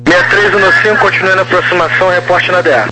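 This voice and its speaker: A man working as an air traffic controller, giving measured, formal instructions in clipped radio phraseology, heard over a two-way radio. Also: high-pitched, steady tone, sharp tone. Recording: noisy radio transmission.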